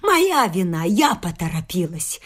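A woman's voice: fairly low pitch, very animated, a little slow. An actress playing an indignant, haughty elderly mother-in-law in a classic radio play, lamenting and scolding with theatrical self-pity. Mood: self-righteous. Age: older.

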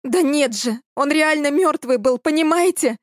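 Woman voicing a shrill panicking young woman. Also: expressive, fairly quick, no echo, clean studio sound. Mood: panicked shrill. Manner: shrill, trembling, near tears.

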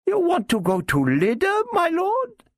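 A man voicing a wily, overly polite male thief who fawns and keeps flattering his captive. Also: very high voice, measured pace, no room sound, clean studio sound, voice pushed up, heavily acted. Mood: wheedling. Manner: fawning, keeps saying my lord.

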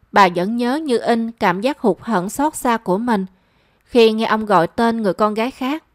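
A woman reading a romance story aloud as narrator, in a measured and expressive storytelling manner. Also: a little high, no room sound, studio quality.

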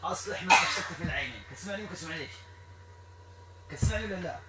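A man with a Moroccan Arabic accent, performing an exorcism ritual in a stern, repetitive, commanding way that sometimes turns to shouting. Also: sits high, animated, very fast. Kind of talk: ritual commands to a possessed person. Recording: echoey room, distant mic, noisy.

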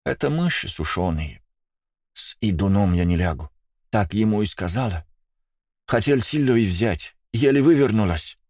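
A man voicing a timid young girl with rabbit ears, speaking in a hushed, hesitant whisper. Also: fairly low pitch, lively intonation, moderate pace, no echo, studio quality. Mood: confiding.

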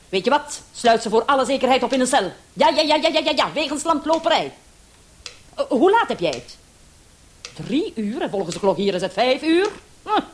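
An actress in a Dutch radio play voicing a brisk, commanding female police commissioner with a dry, authoritative manner. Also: a little high, slight background noise.

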